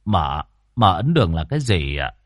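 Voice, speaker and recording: A man voicing an anxious, humble older village man who speaks softly and hesitantly. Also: sits low, big pitch swings, normal speed, no room sound, studio quality, voice pushed down. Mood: timid. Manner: soft, deferential, hesitant.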